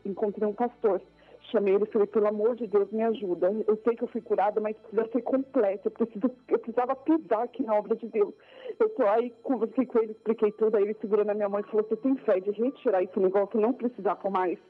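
Woman caller, fervent testimony, fairly high voice, tinny phone sound with faint music behind. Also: husky. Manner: tearful, fervent storytelling, rising to joyful exclamations. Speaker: church member giving a testimony.

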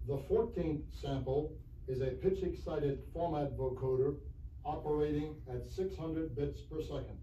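Mellow man narrating an old technical record. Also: fairly high pitch, lo-fi sound. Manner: formal, measured. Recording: roomy, distant, faintly hissy 1970s flexi-disc recording.

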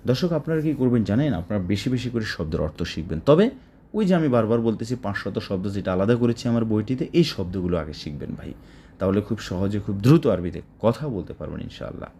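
A man with a Bangladeshi Bengali accent teaching spoken Arabic, slowly repeating phrases and explaining each word. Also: lowish voice, animated, dark tone, slight background noise. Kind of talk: spoken language lesson.

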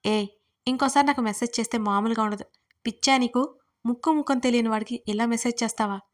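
A woman's voice: fairly high pitch, little pitch movement, a little fast, close to an everyday voice. A woman voicing a hot-tempered young college man who scolds curtly in a storybook reading. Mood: angry. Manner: curt, scolding.

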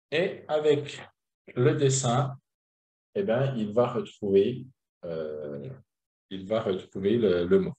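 Male presenter, low-pitched, patient step-by-step explainer with frequent fillers. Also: darkish tone. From France. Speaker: teacher trainer presenting a reading method.

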